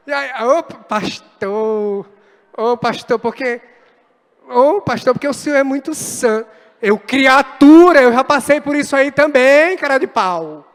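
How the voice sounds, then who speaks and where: A male pastor preaching a lively sermon, acting out quoted dialogue as he speaks. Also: extremely high pitch. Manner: animated, acts out quoted dialogue. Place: church hall. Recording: long church reverb.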